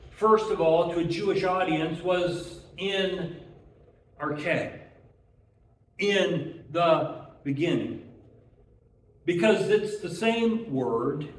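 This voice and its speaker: Slow, high-voiced man preaching in an echoey room. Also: far from the mic, a little hiss or hum. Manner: earnest, repeats words when restarting, draws out key phrases. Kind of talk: sermon.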